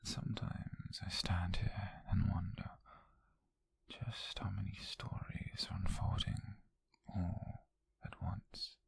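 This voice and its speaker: A man voicing a tender, flirtatious witch on a date in an ASMR roleplay, with a British accent and a soft, breathy, gravelly whisper. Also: low voice, little pitch movement, heavily acted. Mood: wistful, tender. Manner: soft, intimate, slow and hesitant.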